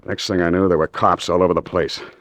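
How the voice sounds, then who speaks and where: A man playing a brooding man in a vintage radio drama, speaking low and stammering as he recounts a fatal crash. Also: fairly even intonation, fast, fairly bright tone, dry recording. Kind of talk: 1940s radio acting.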